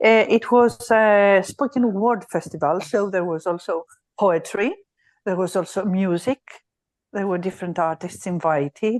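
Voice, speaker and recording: A woman's medium-pitched voice at a fairly slow pace, with ordinary pitch variation, dry and close with no echo against a quiet background. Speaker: storyteller. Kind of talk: casual chat.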